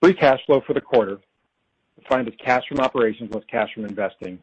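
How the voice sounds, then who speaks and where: A man presenting as a company finance executive on an earnings call, reading prepared figures in a formal, measured way. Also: mid-range voice, slightly rough. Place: conference call. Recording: dull, lo-fi conference call audio.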